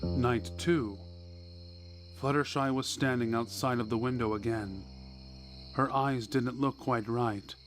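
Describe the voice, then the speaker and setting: A man reading a scripted horror story in a measured, deliberate way, with dramatic pauses. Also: mid-range voice, a bit bright, slight background noise. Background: background music.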